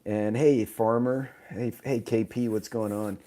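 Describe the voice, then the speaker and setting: A hoarse man with a lowish, dark, mellow voice hosts a loose live stream from a tablet. He rambles, fumbles with settings, mocks himself and greets viewers one by one. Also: fairly even intonation, measured pace. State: hoarse from sinuses. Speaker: channel host. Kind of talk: casual live stream chat. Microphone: tablet mic in vertical live stream.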